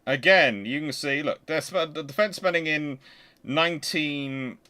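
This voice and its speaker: A man hosting a history channel, explaining informally and thinking aloud in a halting, conversational way. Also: on the high side, sharp tone, clear, resonant tone. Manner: conversational, halting, muttering to himself while working.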